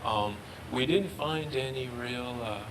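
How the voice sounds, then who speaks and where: A man presenting research and answering questions, halting and often repeating words. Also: mid-range voice. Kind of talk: research talk Q&A. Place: lecture room. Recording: noisy room recording.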